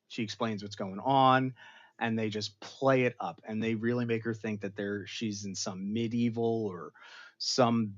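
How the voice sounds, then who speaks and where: A chatty male host tells the story of an episode to his chat, animated and prone to dramatic bursts. His voice sits mid-range, and the recording sounds somewhat dull and lo-fi. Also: mid-range voice. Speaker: show host reviewing an episode. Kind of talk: casual recap to a live chat.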